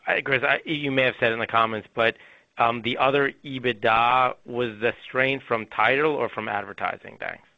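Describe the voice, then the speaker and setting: A male financial analyst putting questions off the cuff, somewhat haltingly, on an earnings conference call. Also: medium pitch, steady tone, gravelly, sharp tone, no echo. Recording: dry, slightly dull phone audio.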